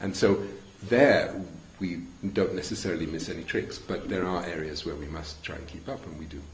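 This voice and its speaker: Lively intonation in a British accent comes with big swings in loudness, audible room echo, and noticeable background noise. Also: man, very deep, low pitch for a man, fairly quick pace. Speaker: standards organization executive. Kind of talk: interview.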